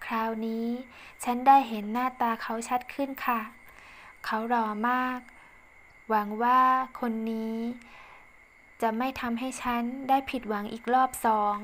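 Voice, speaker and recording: Slow-talking woman narrating a story. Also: fairly high pitch, steady tone, a little hiss or hum. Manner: slow, confiding, dramatic narration. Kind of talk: first-person audio story narration.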